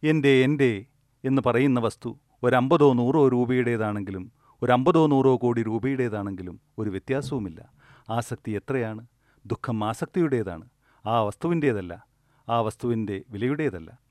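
A man's voice: mid-range voice, moderate pace, darkish tone, no echo, clean studio sound. A man giving a spoken meditation discourse, telling stories with emphatic, repetitive phrasing. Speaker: meditation teacher.

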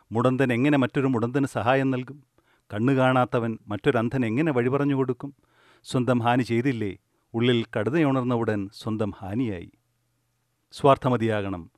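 Calm man giving a dry, close spiritual talk. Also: mid-range voice, dry recording. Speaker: meditation teacher. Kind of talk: spiritual discourse.

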